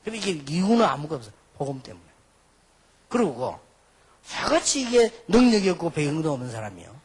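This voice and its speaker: A man's voice: fairly high pitch, big pitch swings, fairly quick, slightly rough. A man from Busan with a Busan accent, preaching a sermon as a pastor in a colloquial, emphatic manner with rhetorical questions. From Busan, South Korea. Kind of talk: sermon with personal anecdotes.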